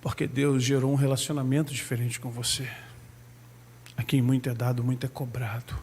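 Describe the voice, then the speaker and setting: A man with a Brazilian Portuguese accent preaching a sermon as pastor, breaking into loud shouted bursts. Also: medium pitch, little pitch movement, a little fast, big-room sound.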